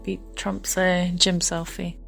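A woman's voice: on the low side, level tone, slow, creaky, faint music behind. A woman bantering coyly on a podcast, laughing often as she teases back. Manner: coy, laughing. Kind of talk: casual flirty banter.

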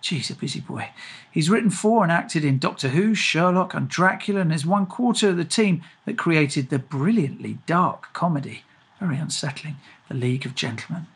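A man's voice: fairly high pitch, slightly rough. Man hosting an interview podcast. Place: spare room at home.

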